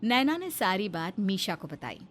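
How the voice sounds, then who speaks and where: A woman narrating a cartoon story in a calm, scripted storytelling manner. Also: mid-range voice, normal speed.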